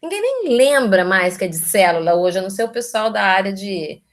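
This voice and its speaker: A Brazilian woman lectures in a loose, conversational way, tossing tag questions at her listeners. She breaks off and rephrases as she goes. Her pitch sits in a middle range. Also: very animated, a little fast. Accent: Brazilian Portuguese. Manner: chatty, constantly adds tag questions; restarts and self-corrects mid-sentence. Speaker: university lecturer. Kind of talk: informal live lecture.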